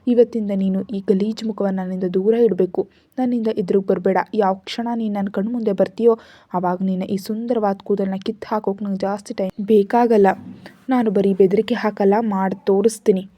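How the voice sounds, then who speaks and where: A woman's voice: mid-range voice, fairly even intonation, a little fast, mellow, no room sound, close to an everyday voice. A woman voicing an arrogant, cruel teenage boy who sneers and threatens. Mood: sneering. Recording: dull lo-fi recording.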